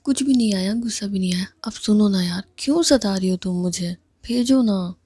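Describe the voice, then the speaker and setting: A woman's voice: medium pitch, normal speed, mellow, breathy edge, no echo, studio quality, lightly acted. A woman voicing an eager young woman in love who insists and pleads with her girlfriend. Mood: pleading.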